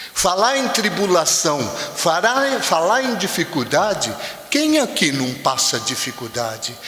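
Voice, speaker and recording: Very slow speech from a man with very wide pitch swings, audible room echo and noticeable background noise. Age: 60s. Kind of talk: homily. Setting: church. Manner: conversational, with frequent fillers.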